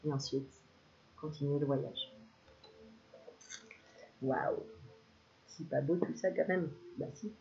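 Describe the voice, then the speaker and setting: A woman's voice: low-pitched, slow, gravelly, long pauses, mellow. Chatty woman doing a card reading. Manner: chatty, laughs often, addresses viewer familiarly. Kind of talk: casual card-reading video. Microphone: self-filmed camera. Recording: slightly dull lo-fi sound, faint hiss.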